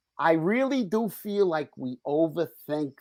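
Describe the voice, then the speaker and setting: A man talks with very wide pitch swings. The sound is dry and close, with no echo. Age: 60s. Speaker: psychic reader. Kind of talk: live psychic reading. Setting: live stream. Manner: halting, repetitive stammering; animated.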